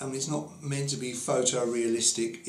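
Audible room echo surrounds a man talking at a moderate pace with fairly even intonation. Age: 60s. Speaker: first-time gamer reviewing a VR headset. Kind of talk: casual talk to camera. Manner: hesitant, conversational. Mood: relaxed, friendly. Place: home room. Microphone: camera far.

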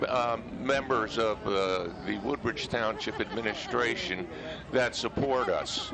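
Background noise is noticeable in this clip. A man talks fairly slowly over it. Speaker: parade commentator. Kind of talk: commentary. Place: street.

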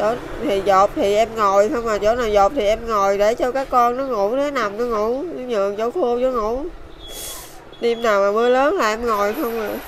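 A normal speaking voice, from a woman with a fairly high pitch and ordinary pitch variation at a moderate pace, dry with no echo over light background noise. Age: 40s. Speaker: lottery ticket seller, single mother; lottery ticket seller. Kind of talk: interview about hardship. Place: street. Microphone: lapel.

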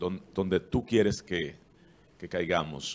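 Vocal fry marks the voice of a man speaking at a fairly slow pace. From Dominican Republic. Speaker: government agency director. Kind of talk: TV interview. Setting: TV studio. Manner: halting. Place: studio. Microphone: handheld.

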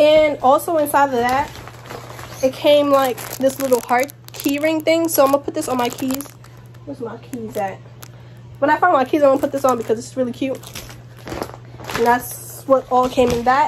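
A woman with a high pitch talks at a moderate pace with long, frequent pauses and fairly even intonation over light background noise. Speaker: vlogger. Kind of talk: casual vlog chat. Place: home room. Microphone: phone near.

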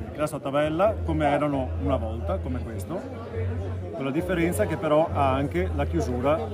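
A man talks at a moderate pace. Behind him, music plays. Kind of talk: interview answer. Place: hall. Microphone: phone near.

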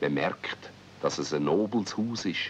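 In a Swiss German accent, a man speaks at a fairly slow pace. His intonation is lively, with light background noise behind him. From Switzerland. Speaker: narrator. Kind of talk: children's radio play narration. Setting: old radio broadcast taped on cassette. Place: studio. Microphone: old recording.

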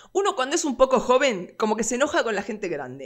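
A woman with a Rioplatense accent speaks at a very fast pace in an animated tone. The background is quiet. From Argentina. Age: 30s. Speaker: YouTuber. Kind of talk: casual commentary monologue. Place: home room. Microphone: studio mic.

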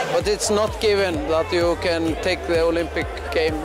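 There is noticeable background noise behind a man speaking at a fairly slow pace. The sound is dry, with no echo. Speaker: head coach. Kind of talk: interview answer. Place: hall. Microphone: handheld.

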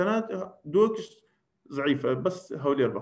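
A man at a fairly quick pace, with lively intonation. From Iraqi Kurdistan, Sulaymaniyah; Iraqi Kurdistan. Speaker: tech company CEO. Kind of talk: talk; business presentation talk. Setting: live stream presentation. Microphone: webcam.

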